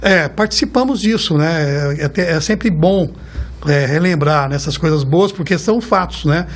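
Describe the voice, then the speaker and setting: A Brazilian man in his fifties, a guest in an interview, talking in a chatty, storytelling way and often ending phrases with a quick "right?". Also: a little high. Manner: chatty, warm storytelling, keeps tagging phrases with a questioning "right?". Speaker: guest, car rental executive. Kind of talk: casual interview talk.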